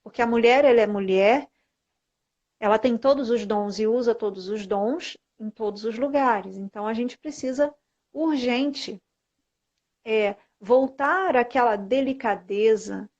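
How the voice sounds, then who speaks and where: A woman's voice: fairly high pitch, measured pace, darkish tone. A woman with a Brazilian Portuguese accent, a guest mentoring women, talking in an emphatic, preachy way on a live video call. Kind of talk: casual live-stream conversation. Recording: muffled live-stream audio.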